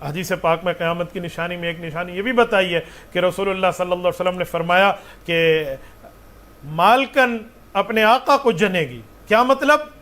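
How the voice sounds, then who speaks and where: A man's voice: sits high, normal speed, a bit bright. A man, a mufti answering religious questions with patient explanations and rhetorical questions.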